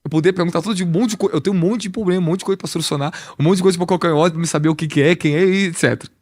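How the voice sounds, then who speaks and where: Preaching a sermon as an apostle, a man with a high voice talks very fast, animated and conversational, in a Brazilian Portuguese accent and with frequent rhetorical questions.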